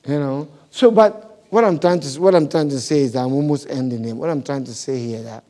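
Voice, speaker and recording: A man preaching as a pastor, speaking English with a non-native accent, his first language a tribal one, telling stories animatedly with laughs and sudden swings from loud to soft. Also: mid-range voice, a little fast. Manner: animated, laughing storyteller, big swings in loudness. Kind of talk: sermon.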